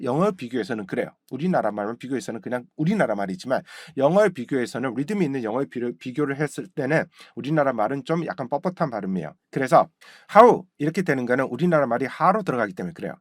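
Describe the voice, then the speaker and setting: Male pronunciation teacher, lively up-and-down delivery, dry close recording, drills words repeatedly. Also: medium pitch, no room sound. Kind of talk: pronunciation lesson.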